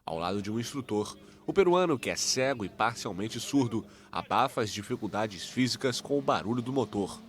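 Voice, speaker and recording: A man reading a scripted news report in a measured, formal tone. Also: lowish voice, animated.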